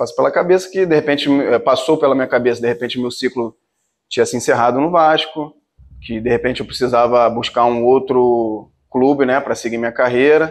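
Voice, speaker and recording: At a moderate pace, a man speaks in a medium-pitched voice with ordinary pitch variation. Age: 30s. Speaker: professional footballer. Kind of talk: press conference. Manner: halting, many repetitions. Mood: calm, measured. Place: meeting room. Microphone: podium.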